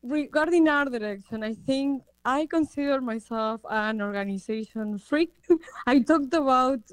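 A woman's voice: high voice, measured pace, clean tone, no room sound, poor audio. A woman in her thirties from Argentina, a production designer answering interview questions in a reflective way with many fillers and restarts.

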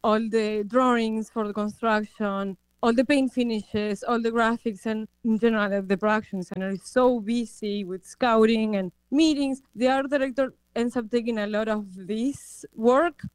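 A woman's voice: fairly high pitch, steady tone, moderate pace, few pauses, clean tone, dry recording, rough recording. A woman in her thirties from Argentina, a production designer answering interview questions in a reflective way with many fillers and restarts.

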